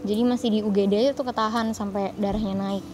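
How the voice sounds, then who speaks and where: A woman's voice: mid-range voice, fairly even intonation, fast, darkish tone. A woman, a student, recounting events in a candid, conversational way. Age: 20s. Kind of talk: casual conversation. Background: music.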